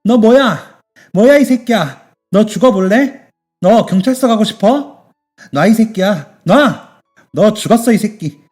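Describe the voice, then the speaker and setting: A man's voice: on the high side, expressive, normal speed, faint music behind, natural voice. A man voicing a fierce motherly bathhouse boss lady. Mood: furious. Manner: shouting threats, then fussing warmly. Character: fierce, caring middle-aged female bathhouse owner.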